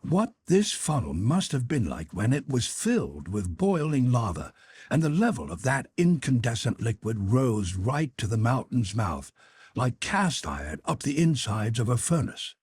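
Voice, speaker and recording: Guy reading as a bookish professor in an audiobook, explaining stuff with relish, raspy breathy voice, lively pitch. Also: a little slow, no echo, full character voice. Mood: wondering. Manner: articulate, didactic.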